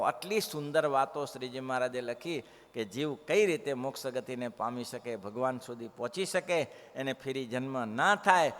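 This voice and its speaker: A man's voice: mid-range voice, fairly bright tone. Emphatic male preacher, reverberant hall. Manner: emphatic, rhetorical questions to listeners. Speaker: preacher giving scripture discourse. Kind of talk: devotional sermon.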